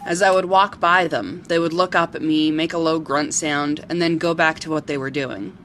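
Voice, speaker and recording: A woman acting as a sincere local television reporter in a radio drama. Her delivery is measured and story-like, with faint noise on the homemade recording. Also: sits low, fairly even intonation, fairly bright tone. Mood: nostalgic. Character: sincere female local TV reporter who loves wild creatures. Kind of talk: amateur audio drama dialogue.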